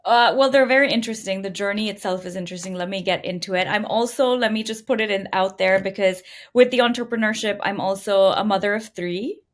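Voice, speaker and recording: A woman's voice: medium pitch, a little fast, hardly any pauses. A middle-aged woman from India, speaking conversationally as an interview guest about her own experience. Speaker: podcast guest, entrepreneur. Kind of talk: conversational interview answers, telling own story.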